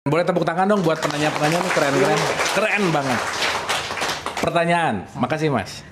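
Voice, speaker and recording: A man's voice: on the high side, a little fast, over a noisy crowd, very noisy. A man, giving a casual religious study talk, playful and often asking his audience questions. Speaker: religious teacher.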